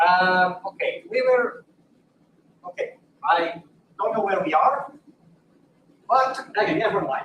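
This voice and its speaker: Talking at a fairly slow pace, a man has a non-native accent. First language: not English. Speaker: visiting professor, lecturer. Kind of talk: lecture. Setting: classroom with audience.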